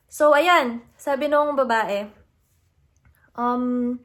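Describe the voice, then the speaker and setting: A young adult woman from the Philippines, vlogging casually and retelling an upsetting phone call with animated, indignant asides. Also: fairly high pitch, very slow. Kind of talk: casual storytelling vlog.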